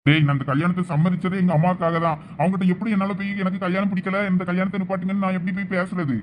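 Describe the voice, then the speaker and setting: பதற்றத்துடன் வேகமாகப் பேசும் ஆண். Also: male voice, sits high, level tone, very fast, a little hiss or hum. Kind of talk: amateur village drama acting.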